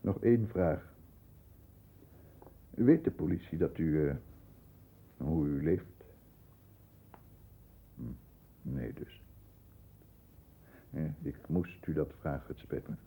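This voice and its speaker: A composed, formal lawyer in a sixties Dutch radio drama, with a low voice and very dark, soft-edged tone. He speaks measured Netherlands Dutch with deliberate care, and the sound is clean-toned and resonant. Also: creaky, breathy edge, full character voice. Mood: controlled, probing. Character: composed middle-class lawyer, protective older brother, narrating. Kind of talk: 1960s Dutch radio play, first-person narration and dialogue.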